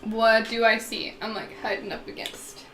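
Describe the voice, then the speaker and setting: A woman's voice: a little high, flat delivery, moderate pace, pushed and bright. A woman with a put-on Southern US accent, playing a character in a casual tabletop game and talking in a blunt, joking way with the odd swear. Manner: playful, blunt, swears and jokes. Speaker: player. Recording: echoey room with faint noise.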